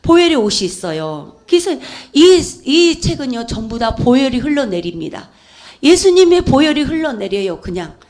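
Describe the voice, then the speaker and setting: A middle-aged woman preacher giving an emotional church testimony, swinging from loud urging to hushed storytelling. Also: high voice, sing-song, moderate pace.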